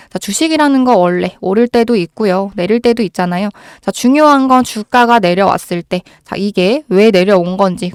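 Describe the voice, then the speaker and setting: A woman speaks as the host of a market commentary, in a medium-pitched voice. She explains step by step and addresses her viewers politely and reassuringly. A cold puts a slight strain on her voice. The sound is dry and free of room echo. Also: clear, resonant tone. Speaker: host of a stock market channel.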